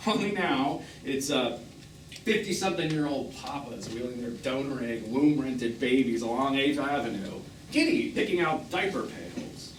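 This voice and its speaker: A man's voice: medium pitch, expressive, normal speed, far from the mic, natural voice. An actor playing a bitter, witty middle-aged gay man on stage, with a theatrical, sardonic, wordy manner. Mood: scornful, bitter. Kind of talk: one-act stage play acting. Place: small theatre, live performance. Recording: roomy, noisy theatre recording from afar.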